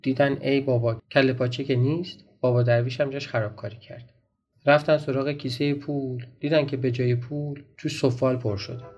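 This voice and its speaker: A man reading a folk tale aloud for a podcast, in a gentle storytelling way that turns to ask the listeners questions. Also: medium pitch, flat delivery. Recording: dull, slightly noisy recording.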